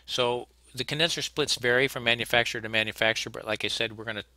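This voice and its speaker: Bright, dry-voiced trade instructor, a man. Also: mid-range voice, steady tone, quick pace, no echo. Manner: plainspoken, practical, with frequent restarts. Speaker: HVAC instructor. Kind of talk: recorded slide lecture.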